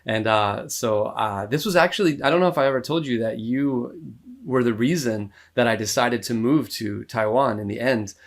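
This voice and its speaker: A man in his thirties with an American accent, chatting casually as a podcast guest, relaxed and rambling, with many fillers and frequent laughs. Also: medium pitch, normal speed. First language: English. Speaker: musician guest. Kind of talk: casual interview talk.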